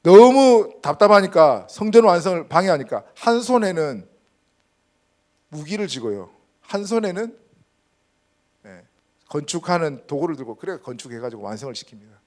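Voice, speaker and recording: Lively Korean pastor preaching. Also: male voice, fairly high pitch, normal speed, long pauses. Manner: emphatic preaching, rhetorical questions to the congregation. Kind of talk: sermon. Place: church sanctuary.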